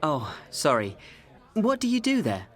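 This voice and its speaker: A friendly adult man, as a man puts him on, asking questions slowly and clearly. His pitch rises and falls very widely, and each question drops at the end. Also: wildly swooping pitch, full character voice. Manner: slow, clear questions with falling intonation.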